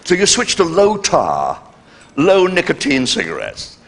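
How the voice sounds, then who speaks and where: An older man doing a live stand-up comedy routine, brash and cheeky, with sudden jumps in pitch for punchlines. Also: wildly swooping pitch, measured pace, gravelly, a bit bright. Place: live venue with audience laughter.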